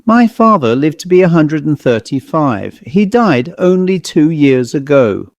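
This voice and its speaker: A man reading a storybook, voicing a stately, very old tribal chief with a measured, dignified manner. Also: a little high, sing-song, dry recording, clean studio sound, pitched above the performer's own voice. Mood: amused, proud.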